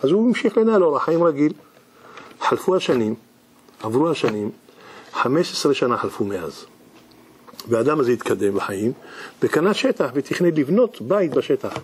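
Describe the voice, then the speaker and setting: A male rabbi giving a lesson with lively storytelling in a synagogue, throwing asides to the audience. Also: mid-range voice, pauses often, a little hiss or hum.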